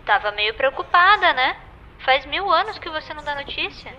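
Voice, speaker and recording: A woman's voice: sits high, sing-song, normal speed, sharp tone, heavily acted. An actress playing a curious, teasing young woman, reacting to a friend's story over the phone. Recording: muffled phone-call recording, faint hiss.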